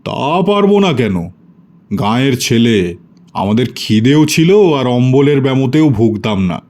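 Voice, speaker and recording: A man's voice: mid-range voice, very animated, unhurried, a little mellow, slight background noise. Guy doing a proud chatty village storyteller reminiscing, kinda boastful, storybook style. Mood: proud, amused. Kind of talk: audio storybook acting.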